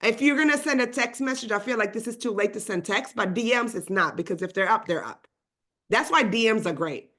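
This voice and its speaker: A woman coach talks quickly and with lots of energy, her voice bright and forceful and pitched a little high. Swedish is her first language. She runs a live online session over a video call mic, piling on asides as she goes. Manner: fast, energetic, chatty, many asides. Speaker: real estate trainer.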